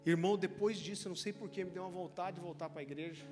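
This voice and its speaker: High-voiced Brazilian pastor preaching. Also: male voice, fast talker. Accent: Brazilian Portuguese. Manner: animated, chatty storytelling. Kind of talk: sermon testimony storytelling. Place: church sanctuary. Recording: church hall reverb with music.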